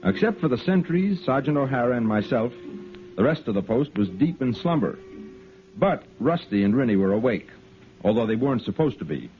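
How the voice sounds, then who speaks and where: A man playing a steady cavalry lieutenant. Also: mid-range voice, lightly acted. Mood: earnest. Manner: calm, measured storytelling. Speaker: narrator and officer. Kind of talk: 1950s radio drama acting. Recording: tinny old radio broadcast, faint music.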